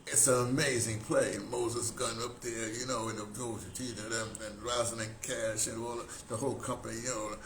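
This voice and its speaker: A man in his seventies telling stories informally, in a halting, digressive way with emphatic stresses. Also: mid-range voice, little pitch movement. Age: 70s. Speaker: audio dramatist recounting theater history. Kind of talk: informal rambling storytelling to camera. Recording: roomy echo, background noise.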